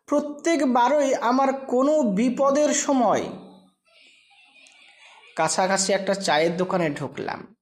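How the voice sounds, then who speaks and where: A woman's voice: on the high side, unhurried, pauses often, darkish tone. A woman reading a scripted story aloud as a narrator.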